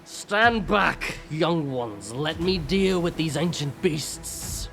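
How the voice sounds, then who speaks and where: A man's voice: a little high, lively intonation, takes it slowly, creaky, fairly bright tone, heavily acted. A man voicing a swaggering, rum-soaked pirate protector in a dramatic audiobook, with slurred, theatrical delivery. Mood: bold, protective. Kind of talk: dramatic audiobook character acting. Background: music.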